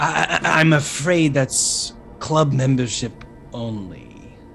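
Amid clear background noise, a man growls in a put-on character voice of medium pitch, very slow in pace but lively in intonation. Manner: growling.

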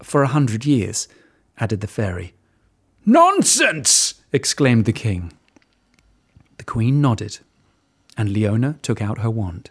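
Somewhat breathy, a man speaks at a fairly slow pace in an animated, dramatic tone with long, frequent pauses on a very clean recording with a silent background. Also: medium pitch for a man, ordinary pitch variation. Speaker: audiobook narrator. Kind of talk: fairy-tale audiobook narration, read aloud with character voices. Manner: animated, storytelling tone with dramatic pauses; expressive, gentle and warm.

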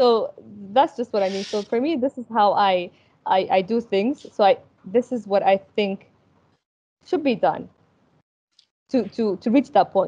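A woman with an Arabic accent speaks at a fairly slow pace, leaving long, frequent pauses. Her pitch is fairly high and her tone dark and mellow, in a dry, close sound with no echo. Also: ordinary pitch variation. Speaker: dentist and author. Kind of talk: interview. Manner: halting.

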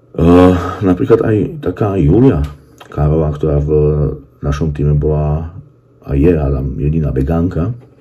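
With noticeable background noise behind him, a man with a very deep, low pitch talks at a fairly slow pace and ordinary pitch variation. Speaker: fitness coach and podcast host. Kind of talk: casual monologue and interview.

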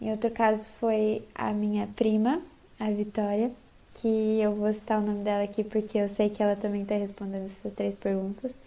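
A woman speaks at a moderate pace in a fairly high pitch with a dark, mellow tone. Her intonation is flat and monotone, and the recording is very clean with a silent background. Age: young. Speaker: pre-recorded contributor. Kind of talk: recorded video message.

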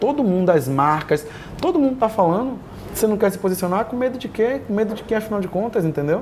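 A man talks at a very fast pace with very wide pitch swings. Noticeable background noise runs beneath him. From Salvador, Bahia, Brazil. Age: 30s. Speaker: LGBT activist. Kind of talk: interview.

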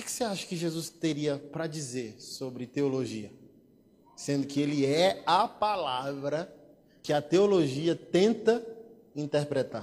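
A man talks fairly slowly with a fairly high pitch. His tone is animated and his intonation lively. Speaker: preacher. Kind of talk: sermon, preaching to a congregation with scripture reading and teaching. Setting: church. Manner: animated, conversational, humorous asides.

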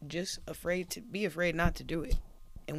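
A woman is speaking. Her pace is fairly slow. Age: 20s. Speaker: podcast host. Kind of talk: casual chat.

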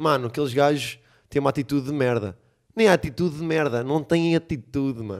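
With a normal speaking voice, a man talks at a fairly quick pace in a fairly high pitch with ordinary pitch variation, in a very clean recording with a silent background. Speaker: comedian. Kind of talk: casual chat.

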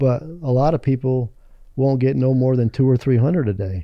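The man has an unremarkable speaking voice. His pitch is medium and his pace moderate. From United States. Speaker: retired military, expat. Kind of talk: casual chat. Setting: studio.

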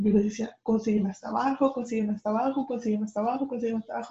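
With a dark, mellow tone, a woman speaks at a fairly high pitch, somewhat breathy, with ordinary pitch variation. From Reynosa, Tamaulipas, Mexico. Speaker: podcast co-host. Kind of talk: casual chat.

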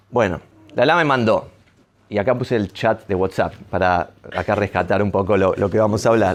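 This man has a normal speaking voice, holding very even loudness with ordinary pitch variation. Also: fairly low pitch for a man. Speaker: real estate entrepreneur. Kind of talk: talk to a live audience.

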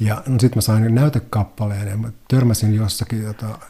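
Noticeable background noise hums through the clip. The man's delivery is monotone, with flat intonation. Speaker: writer and literary scholar. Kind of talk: interview conversation. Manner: halting, many repetitions.

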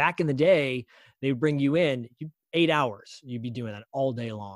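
This man has a normal speaking voice at medium pitch, with ordinary pitch variation and a moderate pace. The sound is dry and close, with no echo. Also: very clean recording, silent background. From Michigan, US Midwest. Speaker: voice actor and podcaster. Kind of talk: casual chat.

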